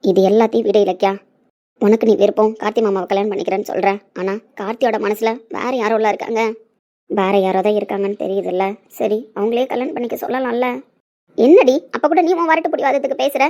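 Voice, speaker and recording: A woman's voice: medium pitch, fairly even intonation, fast, mellow, lightly acted. A woman playing a desperate middle-aged mother who pleads with and scolds her daughter in an emotional family drama. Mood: pleading. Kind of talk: Tamil web-series acting.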